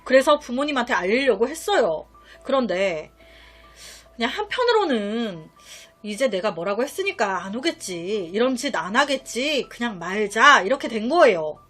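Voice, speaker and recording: A woman's voice: fairly high pitch, very animated, moderate pace, a bit bright, faint music behind. A woman telling a crime story in a chatty way, with rhetorical questions and asides on what happens.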